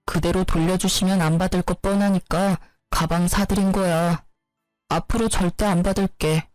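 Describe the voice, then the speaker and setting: A woman voicing a calm, evasive young husband. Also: mid-range voice, dry recording, natural voice, poor audio. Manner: flat, matter-of-fact replies.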